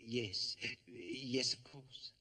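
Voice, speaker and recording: A pompous, fawning schemer. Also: male voice, medium pitch, drawn-out words, sharp tone, full character voice. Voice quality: theatrical, fawning and grandiose. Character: pompous scheming middle-aged man running a resort. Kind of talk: 1960s TV sci-fi acting.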